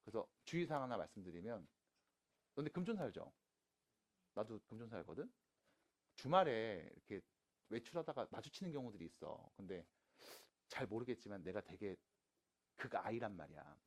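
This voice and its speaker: A man teaching math to high school students in a classroom, casual and teasing, switching between polite and plain speech. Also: big pitch swings, normal speed, long pauses. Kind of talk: classroom lecture.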